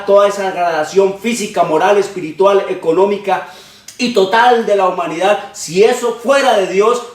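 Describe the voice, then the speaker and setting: A man preaches with a high voice, piling up long repeated lists and hesitating with "eh" between phrases. He stands some way from the mic, and the room rings around him. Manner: frequent hesitations with "eh". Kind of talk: sermon. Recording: roomy, distant from the mic.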